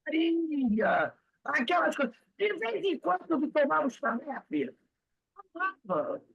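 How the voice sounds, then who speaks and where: A woman's voice: high-pitched, sing-song, unhurried, vocal fry, muffled recording. A woman in her sixties with a Brazilian Portuguese accent, giving an informal lecture to a study group in a chatty storytelling way and acting out the voices she quotes.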